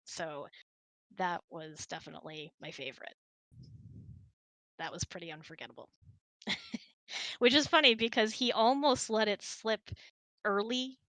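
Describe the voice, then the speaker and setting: A woman's voice: medium pitch, unhurried, pauses often, a bit bright, no echo. A woman hosting, chatting casually and telling personal stories in a conversational way. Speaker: host.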